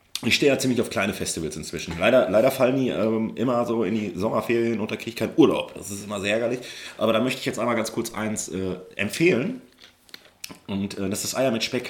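Noticeable background noise sits under a man speaking at a very fast pace, with medium pitch and ordinary pitch variation. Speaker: podcast co-host. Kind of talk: casual chat.

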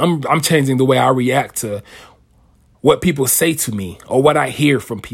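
Heard in a very clean recording with a silent background, a man speaks at a fairly slow pace. His somewhat breathy voice sits at medium pitch with ordinary variation. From United States. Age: adult. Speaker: podcaster. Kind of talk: solo monologue.

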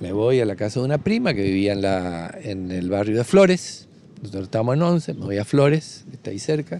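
A man with an ordinary speaking voice talks at a fairly low pitch. His pace is fairly quick and his intonation lively. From Paraguay, raised partly in Buenos Aires. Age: 60s. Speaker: former political activist, human rights campaigner. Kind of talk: testimony.

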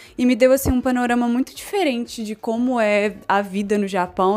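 A woman with a plain, everyday voice talks at a fairly quick pace with ordinary pitch variation. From Brazil, Belo Horizonte (Minas Gerais). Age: 20s. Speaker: listener sending a recommendation message. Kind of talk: recorded listener message.

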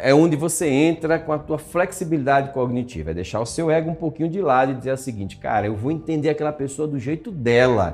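Talking at a very fast pace with hardly any pauses, a man uses a fairly high pitch. His pitch varies in an ordinary way, and there is audible room echo. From Brazil, Northeast. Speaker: instructor. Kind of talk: online lecture. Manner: conversational, many fillers.

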